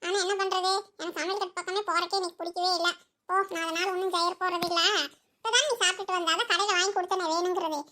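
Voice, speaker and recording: A very high, bright, rapid cartoon voice of a fretful village aunt, put on by a performer. She scolds and chatters. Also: steady tone. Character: fretful village aunt, middle-aged woman. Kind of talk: cartoon voice acting.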